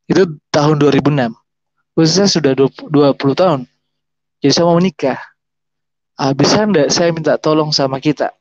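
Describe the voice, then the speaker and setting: A man in his thirties from South Sulawesi, Indonesia, with a Makassar accent, shares his personal testimony as a guest, rambling with restarts and fillers. His fairly high voice is brisk, broken by long pauses, and the recording sounds dull and lo-fi.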